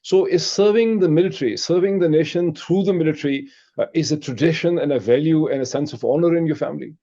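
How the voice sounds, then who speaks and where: A man whose first language is Urdu, interviewing a congressman with halting, stammering questions full of fillers. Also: on the high side, mellow, muffled recording.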